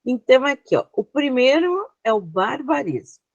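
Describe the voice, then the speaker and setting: A Brazilian woman with a Brazilian Portuguese accent leads an online class, going through her slides step by step and frequently making sure her students are keeping up. Her high-pitched voice has a sing-song lilt at a moderate pace, and the lo-fi recording has no room sound.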